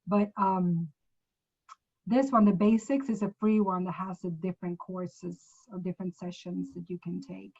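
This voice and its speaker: The muffled recording captures a presenter from Sweden speaking with a Swedish accent, her voice on the low side and darkish, fairly even in intonation, at normal speed. She talks casually and loosely as she shows apps on a shared screen, fixing her words as she goes.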